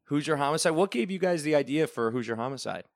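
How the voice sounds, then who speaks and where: A man's voice: fairly high pitch, animated, fast, gravelly, no echo. Chatty young man, dry close mic. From Northeastern US. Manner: chatty, laughs often, rambling storyteller. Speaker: TV news reporter, guest. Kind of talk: casual podcast chat.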